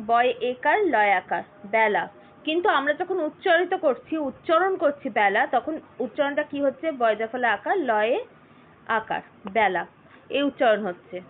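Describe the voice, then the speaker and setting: A woman teacher giving an online grammar lesson, explaining slowly and spelling words out letter by letter. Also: high-pitched. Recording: tinny phone-like audio.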